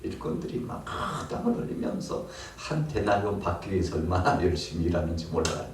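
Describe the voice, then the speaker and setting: A man's voice: deep voice, very animated, fairly quick, a little mellow, a little hiss or hum. A man preaching a sermon as pastor, telling the story dramatically and acting out the scenes. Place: church. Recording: roomy church hall, mic far off.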